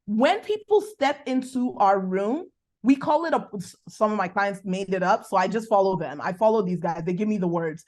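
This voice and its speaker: A woman with a Nigerian accent speaks as a guest coach on a faith-driven podcast. She talks in a lively, preacherly way, rushing ahead in quick bursts and then leaning hard on key words. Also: medium pitch. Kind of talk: faith-based coaching conversation.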